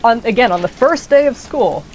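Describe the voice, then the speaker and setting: A woman's voice: on the high side, expressive, moderate pace, darkish tone, a little hiss or hum, rough recording. A woman in her twenties from the United States giving casual, rambling gameplay commentary, swearing freely. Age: 20s. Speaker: streamer.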